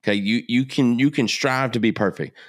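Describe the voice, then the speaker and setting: A man in his thirties co-hosting a podcast, talking casually and getting animated when he makes a point. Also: medium pitch, fairly quick, no room sound, clean studio sound. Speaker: podcast co-host.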